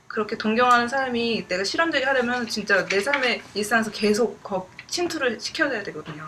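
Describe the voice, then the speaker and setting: Amid noticeable background noise, a woman with a fairly high pitch and lively intonation speaks at a moderate pace. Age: 20s. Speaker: video content designer. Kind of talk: casual chat.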